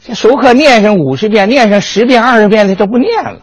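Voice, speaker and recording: An older man giving a storytelling history lecture, lively and animated, often asking his listeners rhetorical questions. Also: high-pitched, fast, breathy edge, no room sound.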